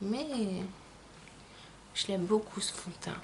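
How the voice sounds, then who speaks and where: Noticeable background noise sits under a woman speaking at medium pitch. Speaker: beauty vlogger. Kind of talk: makeup tutorial. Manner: hesitant, many fillers; casual.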